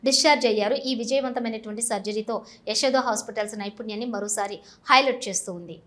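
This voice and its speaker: A woman reading a scripted news voice-over in a formal, even manner. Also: fairly high pitch, quick pace. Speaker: news reader.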